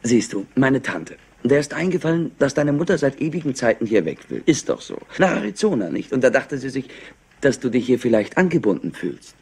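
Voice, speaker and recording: An actor playing an evasive, high-strung young business heir in a German crime radio play, smooth-talking and impatient. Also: male voice, very animated, fairly quick, a little mellow, exaggerated voice. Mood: smoothly evasive. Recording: noisy retro radio play.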